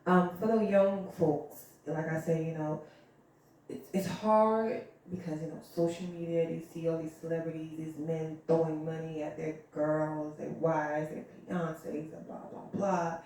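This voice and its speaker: A woman's voice: sits low, level tone, a little slow, dark tone, slight background noise. A woman in her thirties co-hosting a casual podcast chat, talking earnestly with lots of fillers and repeated phrases. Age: 30s. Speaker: podcast co-host. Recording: very echoey room, far from the mic.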